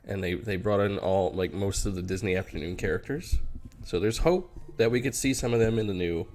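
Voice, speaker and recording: A man's voice: low-pitched, fairly quick, darkish tone, faint music behind. A man co-hosting a podcast in casual, jokey banter. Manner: jokey, swearing. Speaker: podcast co-host.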